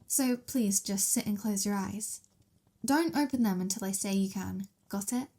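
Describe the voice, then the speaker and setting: A woman's voice: mid-range voice, normal speed, mellow, natural voice. A woman playing a sweet, hungry young vampire mistress in an ASMR roleplay, talking in a casual, playful, giggly way. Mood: playful, friendly.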